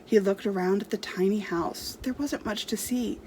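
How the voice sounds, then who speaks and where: A woman's voice: medium pitch, normal speed, warm tone, a little hiss or hum, low-quality recording. A woman storyteller reading a storybook aloud to children expressively.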